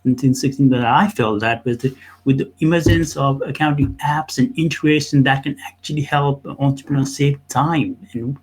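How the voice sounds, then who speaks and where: Telling his stories in an interview, a Nepali business owner pauses, repeats himself and slips in rhetorical questions. The voice is a typical middle-range male one, husky and steady in tone at normal speed, and the audio quality is poor.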